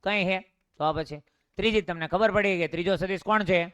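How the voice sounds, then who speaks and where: A man teaches physics with a Gujarati accent, asking the class each question and then supplying the answer himself. His voice sits a little high and sounds smooth and resonant. The recording is dry and close, with no room echo. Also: a little fast, a bit bright. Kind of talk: classroom lecture with call-and-response questions.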